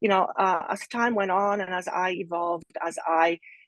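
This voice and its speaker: At a moderate pace, a woman with a non-native accent comes across in a dry, close sound with no echo. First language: not English. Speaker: energy healer and psychic medium. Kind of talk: interview.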